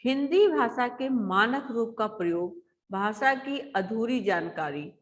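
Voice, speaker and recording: Woman teacher with a slightly high voice, patient grammar lesson, slow and careful, repeats each word. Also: expressive. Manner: slow, careful explaining, repeating words aloud for dictation. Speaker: school teacher.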